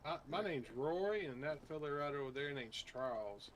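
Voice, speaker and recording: A man's voice: on the high side, expressive, moderate pace, a crowd in the background. A man speaking casually in character in an online roleplay game, with a folksy, helpful way of talking. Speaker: roleplay gamer playing a survivor. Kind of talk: improvised in-character casual chat. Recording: noisy game voice chat.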